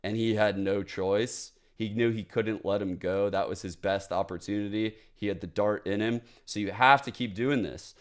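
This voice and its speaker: A man with a low voice gives live match analysis on stream. He gets excited, swears freely and calls people "bro" as he reads the plays. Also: moderate pace, hardly any pauses, smooth.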